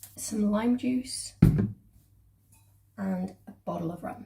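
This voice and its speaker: The voice is quiet, with a dark, mellow tone and vocal fry. Its pitch varies in an ordinary way. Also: woman. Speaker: lifestyle vlogger. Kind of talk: casual vlog chat.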